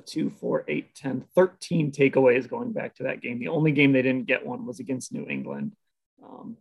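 A man hosting a casual sports podcast, thinking out loud as he makes his picks and laughing easily. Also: mid-range voice. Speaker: podcast host.

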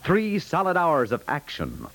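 A man's voice: a little high, wildly swooping pitch, measured pace. A man with an American accent announcing in a polished, punchy 1950s network radio promotional style. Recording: vintage 1950s radio broadcast.

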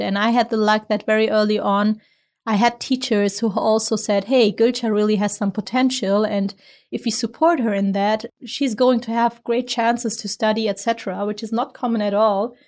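Interviewee, woman from Germany, 30s, earnest and emphatic; slightly high pitch. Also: darkish tone. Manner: earnest, emphatic, repeats words for stress. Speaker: interviewee, tech investor. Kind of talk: interview answers.

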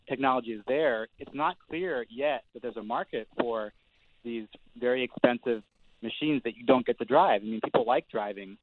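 A man's voice: medium pitch, no room sound. A male reporter speaking as a guest in a panel discussion, hesitant with many fillers and restarts. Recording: tinny phone line with clear noise.

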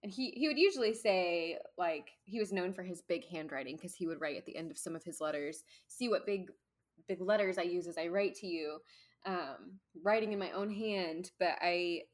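A woman co-hosting a Bible study podcast, talking in a relaxed, thoughtful way. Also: on the low side, normal speed. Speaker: podcast co-host. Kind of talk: casual Bible study chat.

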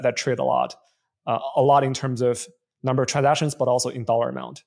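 Male investor guest from Canada, Chinese first language, gravelly voice, thinks out loud. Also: medium pitch. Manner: thoughtful, frequent fillers and restarts. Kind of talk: conversational interview answers.

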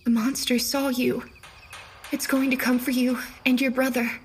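A man voicing an eerie, pale, inhuman girl creature in a soft, breathy voice for an audiobook. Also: very high voice, level tone, moderate pace, a little hiss or hum, pitched above the performer's own voice. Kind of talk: audiobook character voice.

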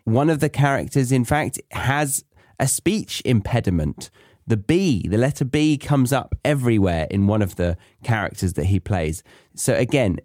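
Male host, low voice, dry close sound, chatty explainer. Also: darkish tone, dry recording. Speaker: podcast host for language learners. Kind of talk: casual explanatory monologue.

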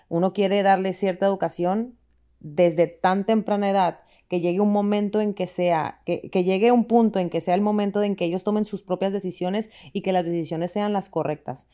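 A woman, co-hosting a casual chat and giving calm, earnest advice to parents. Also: on the low side. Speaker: podcast co-host.

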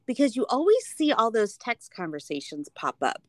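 A woman's voice: a little high, very animated, moderate pace, dry recording, clean studio sound. A woman co-hosting a podcast with a chatty, playful way of talking. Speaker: podcast co-host. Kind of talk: casual chat and read sponsor spots.

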